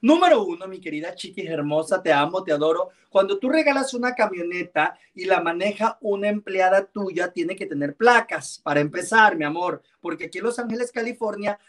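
Animated gossip-show host on a video call. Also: male voice, high voice, recorded from a distance. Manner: animated and teasing, full of endearments. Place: home room on a video call.

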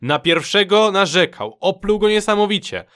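Chatty man with a higher voice. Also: lively intonation, moderate pace, a bit bright. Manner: chatty, slangy, playfully teasing. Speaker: host narrating a gaming clip compilation. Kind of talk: casual gamer commentary.

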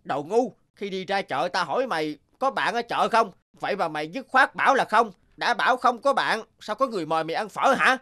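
A voice actor playing an exclamatory market character in an animated folk-tale dub. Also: mid-range voice, a little fast, hardly any pauses. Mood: scolding.

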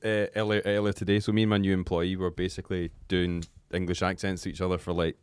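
A man's voice: deep voice, little pitch movement, fast talker, clear, resonant tone, no echo. A man who runs a small business, chatting on a podcast panel, giggling self-consciously and trailing off. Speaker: entrepreneur, panel guest. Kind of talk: casual podcast panel chat.

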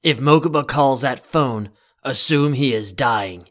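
A man playing a stern, protective young CEO in an audio drama, speaking formally and deliberately with a commanding manner. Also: medium pitch, natural voice. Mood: grave, stern.

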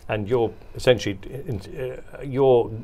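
A man in his forties interviewing a guest in a studio, framing his questions haltingly and repeating words. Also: mid-range voice, mellow, slight background noise. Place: dark studio set at a conference.

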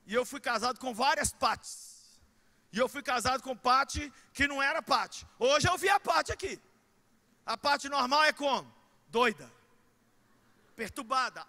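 A middle-aged man with a Brazilian Portuguese accent preaching a sermon in a church, animated and shouting, with comic asides. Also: very high voice. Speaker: pastor.

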